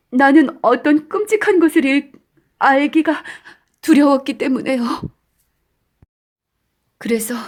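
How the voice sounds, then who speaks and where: A woman performs as a distraught wife in an audiobook drama. Her voice is high and full of dread. She speaks haltingly, pleading and anguished, as if confiding a terrible fear. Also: darkish tone. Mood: terrified.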